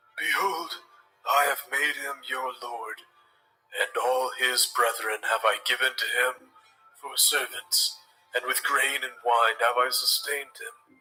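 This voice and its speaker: In a put-on character voice, the speaker delivers lines at a fairly slow pace with a solemn tone. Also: man. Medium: audio drama. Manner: slow, solemn.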